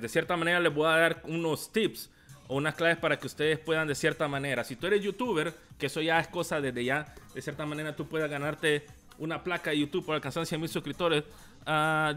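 Young Salvadoran male streamer, high bright voice, casual chat-reading delivery, faint music in the background. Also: normal speed. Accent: Salvadoran Spanish. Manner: casual, reads chat messages aloud, laughs often. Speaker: tech YouTuber. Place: small room indoors.

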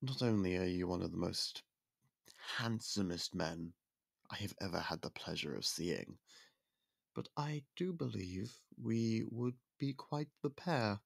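Young royal suitor, male, deep and fry-laden, soft-spoken and courteous, dry close-mic ASMR read, voiced by a man. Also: lively intonation, a little slow, dry recording, full character voice. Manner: polite, formal, soft-spoken courtship talk. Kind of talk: ASMR roleplay.

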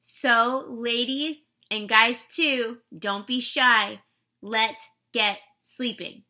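A woman's voice: on the high side, fairly even intonation, drawn-out words, full character voice. A woman playing an overzealous wellness instructor, giving commands insistently in a comedy sketch. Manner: forceful, commanding. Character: pushy, overzealous female wellness fitness instructor. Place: small room indoors.

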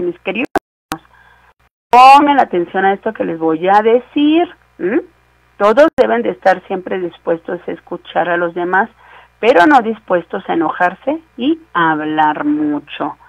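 A woman gives a radio sermon and often turns to her listeners with questions and asides. Her voice at a middle pitch has a gravelly, fry-edged texture. It is recorded dry and close, with no room echo. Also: muffled recording. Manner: warm, conversational, with asides and rhetorical questions. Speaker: radio program preacher.

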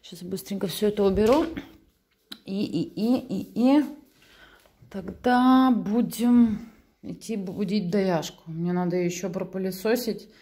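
Slightly slow and mellow, her mid-range voice carries this relaxed home vlog by a woman in her thirties with young kids. She speaks to the camera and to her toddler in the living room and bedrooms. There's an echo to the recording.

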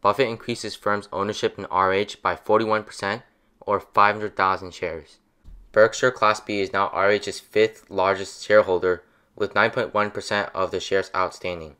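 Young man, scripted finance voice-over, bright tone, slightly low voice. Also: normal speed, smooth. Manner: steady explanatory delivery. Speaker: finance channel narrator.

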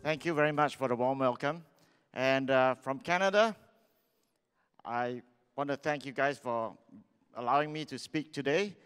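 A man's voice: mid-range voice, normal speed, pauses often, fairly bright tone, smooth, faint music behind. A middle-aged man from Singapore with a Singaporean English accent, giving a chatty seminar talk on stage into a handheld mic and asking the audience questions. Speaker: seminar speaker. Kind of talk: lively sales seminar talk. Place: large hall on stage. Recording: long hall reverb.

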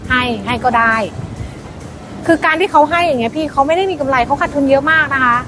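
A woman live-selling clothes in a casual, hyped sales pitch, insistently repeating phrases for emphasis. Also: quick pace, over music. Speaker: live-stream clothing seller. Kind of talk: fast hype live-sale pitch, casual. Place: shop front, camera moved toward outside.

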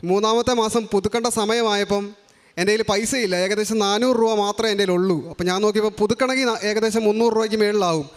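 A young man from Kerala giving an earnest, rushed personal religious testimony, often restarting his sentences. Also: high voice, steady tone. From Kerala, India. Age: young adult. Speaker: testimony giver.

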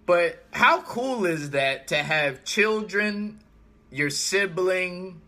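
An American man in his thirties chatting casually on a livestream, thinking out loud and telling stories with animated, emphatic repetition. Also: sits high, drawn-out words. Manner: animated storytelling, repeats himself for emphasis. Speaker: vlogger. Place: small room indoors.

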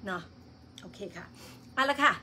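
A woman's voice: moderate pace, pushed and bright, a little hiss or hum. A woman hosting a live stream in casual chat, politely reading out and greeting her viewers one by one.

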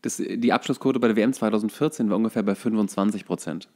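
A man in his thirties with a fairly low voice chats casually about sports as a podcast co-host. He feels his way through his sentences, hesitating and thinking out loud. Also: quick pace. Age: 30s.

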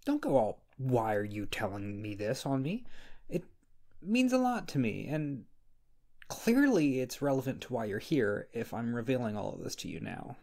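A man playing a needy, flustered young friend in an intimate ASMR roleplay, speaking softly and hesitantly in a creaky voice. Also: medium pitch, lively intonation. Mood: vulnerable, confiding. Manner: hesitant, slow, halting, sheepish. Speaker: roleplay audio creator playing a character. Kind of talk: wholesome ASMR roleplay acting, intimate one-sided dialogue.

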